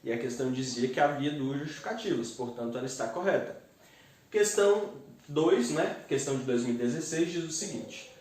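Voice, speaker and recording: A man teaching grammar step by step and slowly sounding out the syllables of each word. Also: fairly high pitch, expressive, a little mellow. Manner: methodical, spells out syllables slowly. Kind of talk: explaining grammar exercises. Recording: very echoey room, distant mic.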